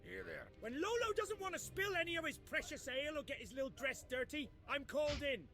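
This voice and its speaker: A man's voice: very high-pitched, very animated, brisk, vocal fry, music in the background, pitched above the performer's own voice, heavily acted. A man voicing a boastful male dwarf enforcer from a video game, sneering as he talks.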